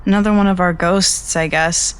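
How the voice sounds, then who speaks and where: A woman's voice: lowish voice, steady tone, moderate pace, smooth, close to an everyday voice. A woman playing a wistful, wry traveller in an audio drama, with an understated, dry delivery. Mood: wistful, subdued. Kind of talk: naturalistic audio drama acting.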